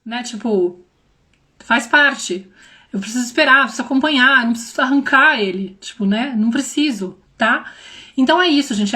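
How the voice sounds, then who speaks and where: A young woman with a high, bright-toned voice gives a casual livestream talk as a parenting mentor. Her São slips in often, and she talks straight to her viewers with lively, animated delivery. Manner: animated, addresses viewers directly, acts out quoted voices.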